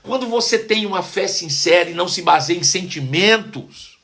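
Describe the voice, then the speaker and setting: High-voiced Brazilian pastor telling his testimony. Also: animated, moderate pace, creaky. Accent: Brazilian Portuguese. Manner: emotive storytelling, shifting between hushed and loud. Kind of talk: sermon testimony.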